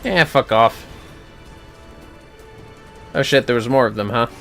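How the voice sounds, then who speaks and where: A man's voice: medium pitch, unhurried, creaky, fairly bright tone, soft background music. A man giving casual, foul-mouthed commentary on a gaming livestream, muttering to himself with playfully theatrical outbursts.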